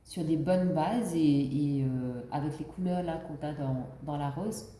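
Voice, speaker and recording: Woman with the flu, card reader, dark mellow voice, rambling, echoey room. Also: sits low, unhurried, slight background noise. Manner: rambling, many fillers and restarts. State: has the flu. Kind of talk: casual spiritual card reading.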